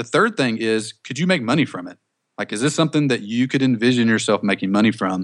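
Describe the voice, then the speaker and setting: Over a quiet background, a man with a medium pitch talks at a very fast pace with ordinary pitch variation. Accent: Southern US. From Mobile, Alabama. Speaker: online entrepreneur. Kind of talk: interview.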